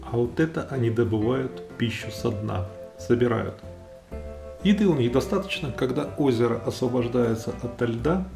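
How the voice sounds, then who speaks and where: A man giving a calm, explanatory nature commentary. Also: medium pitch, vocal fry. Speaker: narrator of a nature video. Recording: roomy echo, faint music behind.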